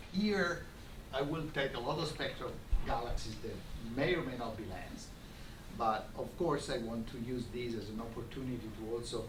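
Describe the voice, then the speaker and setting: A man giving an academic lecture as an astrophysicist, explaining in a halting way with repeated words. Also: medium pitch. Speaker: astrophysicist giving a colloquium talk. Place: lecture room, recorded from a distance. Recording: echoey, distant microphone, clearly noisy room.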